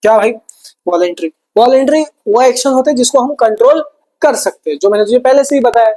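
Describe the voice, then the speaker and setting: A man's voice: very high voice, a little fast, mellow, rough recording. A young man teaching an exam-prep science lesson, chatty, calling students brother and repeating key terms.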